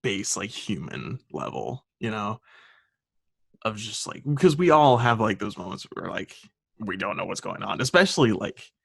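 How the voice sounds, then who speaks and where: A man's voice: fairly low pitch, big pitch swings, moderate pace, gravelly, breathy edge, no echo. A young man co-hosting a podcast, chatting casually in a rambling way with lots of fillers. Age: young adult. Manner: rambling with many fillers and laughs. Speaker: podcast co-host.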